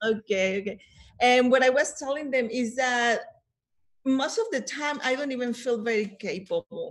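In a Mexican accent, the speaker moves at a moderate pace with ordinary pitch variation against a quiet background. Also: woman, high pitch for a woman. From Mexico. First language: Spanish. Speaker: picture book author and illustrator; panelist. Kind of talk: panel discussion. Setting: video call. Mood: warm, emotional. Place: home room. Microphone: video call.

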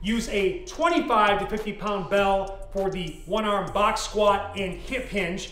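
A man's high-pitched voice at a very slow pace, with ordinary pitch variation, audible room echo and faint background music. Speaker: fitness trainer. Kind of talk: tutorial. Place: gym.

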